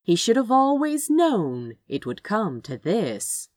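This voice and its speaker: A woman reading fantasy fiction aloud as an expressive audiobook narrator. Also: medium pitch, takes it slowly, no room sound, studio quality.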